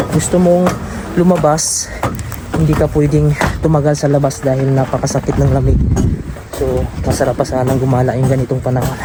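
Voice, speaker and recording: A man from the Philippines vlogging casually to his viewers as a father, chatting and calling them countrymen. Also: medium pitch. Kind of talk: casual vlog talk to viewers. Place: snowy outdoors, then indoors at home. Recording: noisy phone recording.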